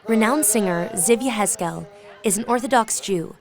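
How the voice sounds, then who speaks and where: A young woman, a student reporter, reads a scripted news voice-over in a measured, even way. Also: medium pitch, a crowd in the background. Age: young adult. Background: music bed under the voice.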